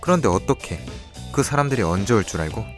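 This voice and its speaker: A young man playing a cool, calculating character who reveals a crime's secrets in a measured, knowing way in an audio drama. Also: lowish voice, animated, over music, close to an everyday voice. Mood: grave, explaining. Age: young adult. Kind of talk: audio drama acting, expository dialogue.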